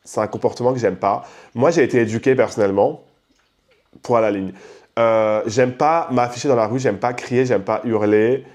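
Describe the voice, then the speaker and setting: Young male host, loud casual rant, slangy, lively, mid pitch. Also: normal speed. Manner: animated and slangy, acts out quoted people; talks loudly. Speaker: podcast host. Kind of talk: casual ranting monologue.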